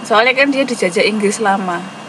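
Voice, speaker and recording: In a mid-range voice at normal speed, a woman with a Javanese accent patiently explains material in an online English class, slipping English terms into what she says. The room is noisy with air conditioning.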